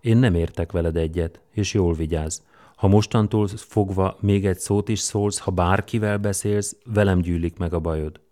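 A man's voice: low voice, steady tone, mellow, natural voice. A man reading an audiobook and voicing a fierce, weary Roman governor who is scornful and commanding. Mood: stern. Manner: scornful and commanding, erupts into roaring rage.

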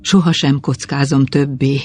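A narrator voicing a weary mercenary soldier who speaks in a hoarse, groaning way. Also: medium pitch, fairly even intonation, natural voice. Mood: shivering remorse.

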